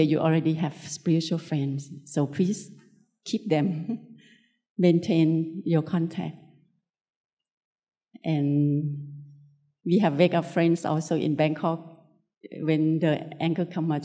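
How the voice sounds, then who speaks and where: A Thai woman speaks as a Buddhist nun giving a spiritual teaching, with a Thai accent in her English. Her voice is low and mellow, and she moves slowly through short, simple phrases. The delivery is gentle and unscripted. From Thailand.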